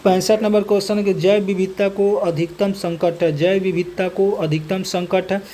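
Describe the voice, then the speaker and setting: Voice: mid-range voice, fairly even intonation, normal speed, dark tone. A coaching teacher working through a multiple-choice test, reading each question twice and then announcing the answer and option in the same set phrase. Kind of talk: reading and solving quiz questions.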